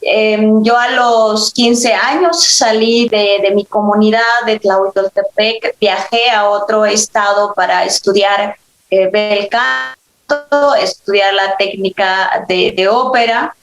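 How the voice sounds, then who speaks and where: A woman from Oaxaca, Mexico, with a Mexican accent and Mixe as her first language, answering interview questions unhurriedly with pauses and fillers. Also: mid-range voice, faint music behind. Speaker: guest singer. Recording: roomy echo.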